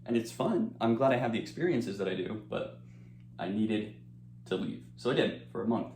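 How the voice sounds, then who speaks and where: A man's voice: lowish voice, expressive, moderate pace, darkish tone, reverberant, a little hiss or hum. A young American man chatting casually as he eats on camera, rambling with lots of fillers and restarts, sometimes talking with his mouth full. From United States. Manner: talks with his mouth full while eating. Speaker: eating-channel creator. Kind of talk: casual chat while eating.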